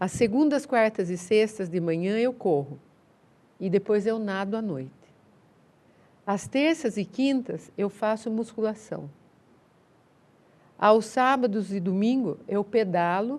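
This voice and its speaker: Long, frequent pauses break up this woman's very slow speech. Her fairly high voice has lively intonation. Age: 50s. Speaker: foundation administrator and amateur runner. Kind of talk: TV interview.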